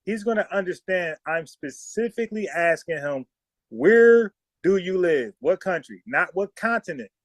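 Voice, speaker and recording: Man, host, heated debate, insistent, talks over guest, fairly high voice, dry sound. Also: animated, measured pace, no room sound. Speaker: show host.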